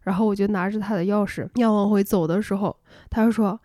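A woman podcast host telling a personal story in casual chat, animated and laughing often. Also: medium pitch, quick pace, no echo, studio quality. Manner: animated, laughs often, acts out quoted lines.

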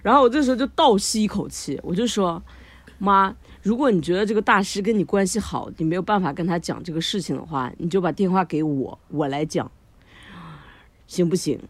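A woman co-hosting a podcast, telling a long personal story in a lively way, laughing often and using lots of fillers. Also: lowish voice, fairly quick, no echo. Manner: animated, frequent laughter, many fillers. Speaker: podcast co-host. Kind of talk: casual storytelling chat.

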